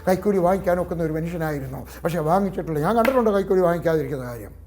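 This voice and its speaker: A middle-aged man preaches with force, his voice sitting a little higher than most men's. He keeps breaking into hallelujahs and fires question after question at the congregation. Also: animated, very fast, over music. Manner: emphatic, calls out hallelujah, fires rhetorical questions at the audience. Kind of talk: Pentecostal sermon.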